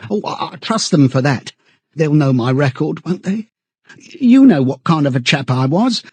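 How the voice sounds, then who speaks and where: A man's voice: on the high side, a little mellow, breathy edge, dry recording, voice pushed up. A man voicing a frightened, servile, middle-aged party loyalist in an audiobook, stammering and eagerly chummy. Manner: stammering, chummy old-fashioned British chap talk, sententious.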